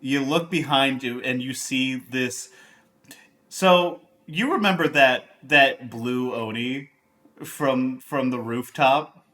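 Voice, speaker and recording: A man speaking casually as a game master, narrating in a halting, rambling, informal way. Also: medium pitch, bright, forceful tone.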